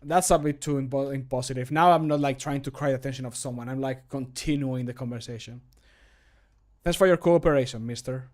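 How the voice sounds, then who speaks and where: A man's voice: medium pitch, steady tone, quick pace, few pauses, a little mellow. A man in his thirties chatting casually on a livestream while he works, thinking aloud with self-deprecating remarks and some swearing. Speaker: streamer recording game mod voice lines. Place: small home room, indoors.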